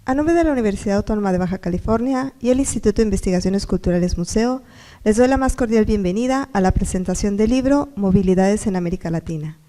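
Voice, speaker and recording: A woman's voice: mid-range voice, fast, dark tone. A woman announces an academic event in a formal, scripted welcome.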